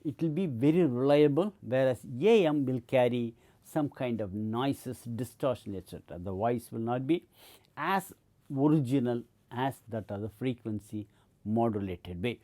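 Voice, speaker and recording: A man's voice: medium pitch, lively intonation, normal speed, mellow. A middle-aged man giving an explanatory lecture, often repeating and restarting his points. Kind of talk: educational lecture.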